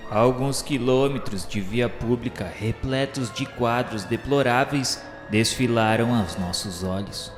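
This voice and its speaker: A Brazilian man voicing an earnest, awed spirit disciple who narrates a radio drama in solemn, measured, literary phrases. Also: medium pitch, close to an everyday voice. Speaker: narrator and protagonist. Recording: echoey hall reverb under prominent music.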